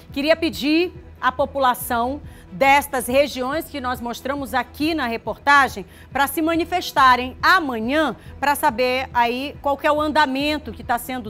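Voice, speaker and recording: A high-pitched woman presents live regional TV news, speaking into a studio lapel mic. She is chatty and direct with viewers, checking in with quick "tá?" tags and reading their messages back warmly, while faint music plays underneath. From Maranhão, Brazil. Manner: reads viewer messages aloud, greeting them warmly by name.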